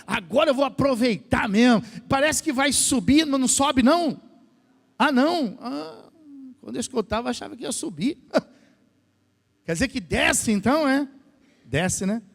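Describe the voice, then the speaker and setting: A Brazilian man, a pastor, preaching a sermon to his church, asking the congregation questions and acting out what people say. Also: sits high. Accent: Brazilian Portuguese. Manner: asks the congregation questions, acts out quoted voices. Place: church hall. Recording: long church reverb.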